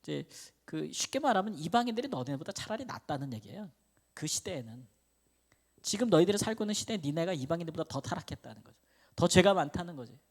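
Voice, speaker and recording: A man delivers a midweek Bible lecture as a pastor, talking conversationally with his congregation. His pitch moves around a lot, rising and dipping as he poses questions and answers them himself. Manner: acts out quoted speech with a raised voice.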